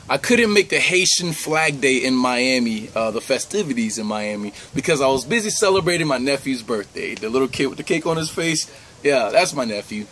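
A young man talks straight to the camera in an earnest, conversational way with easy laughs. His voice sits at a middle pitch. A faint hum of room ambience runs underneath. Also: expressive, normal speed, fairly bright tone. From United States. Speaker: vlogger. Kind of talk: personal reflective vlog. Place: indoors by a plain wall.

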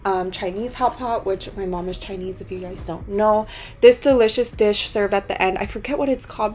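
A young woman in her twenties with a hoarse, worn voice, chatting casually as a travel vlogger and rambling with little laughs between phrases. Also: medium pitch, a little hiss or hum. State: hoarse, lost voice. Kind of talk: casual vlog voice-over and to-camera talk.

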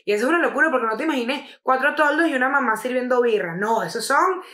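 A young Venezuelan woman co-hosting a podcast, telling stories in animated, slangy casual chat with plenty of swearing. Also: high voice, fast, roomy sound. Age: young adult. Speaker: podcast co-host.

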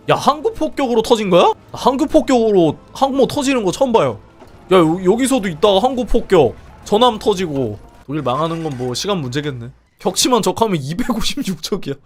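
A man's voice: high-pitched, very animated, fairly quick, soft background music. A young man commentating a multiplayer strategy game live, exclaiming and laughing often, his voice a little strained. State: strained voice from singing.

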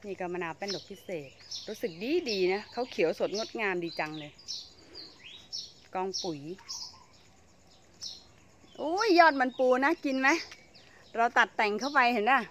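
A woman's voice: medium pitch, expressive, brisk, a bit bright, a little hiss or hum. A woman giving a chatty, casual tour of her home vegetable garden, exclaiming and laughing as she shows the plants. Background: birdsong.

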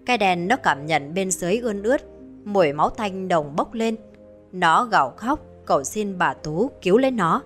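A woman narrating a village ghost story in a measured, grave way, mid-pitched and steady. Soft music plays faintly underneath her reading. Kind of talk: scripted horror narration.

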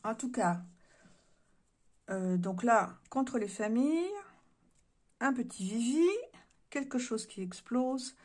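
Chatty woman reading cards, fairly high voice. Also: animated, slow pace, long pauses, a little mellow. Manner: musing, thinks aloud with many fillers and hesitations. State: voice giving out, clears throat. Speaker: card reader. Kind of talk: casual tarot reading to camera. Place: room indoors.

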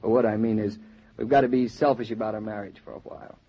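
An actor playing a gentle, earnest young newlywed husband in a 1940s radio drama. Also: male voice, fairly low pitch, fairly even intonation, fast, breathy edge. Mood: tender. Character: David, young newlywed husband, tender and reassuring. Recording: dull 1940s radio transcription.

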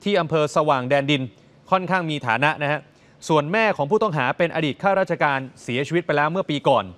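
A man's voice: fairly high pitch, fast talker, a bit bright. A male news presenter telling a crime story in an emphatic way, speaking straight to the viewers. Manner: emphatic, addresses viewers directly. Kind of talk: dramatic news report.

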